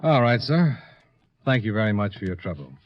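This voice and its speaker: An actor playing a wry American insurance investigator in an old radio detective serial, with dry, clipped questioning and narration. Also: male voice, lowish voice, big pitch swings, normal speed, no echo. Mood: probing, dry. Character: wry, probing male insurance investigator narrating his case. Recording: dull, lo-fi old radio recording.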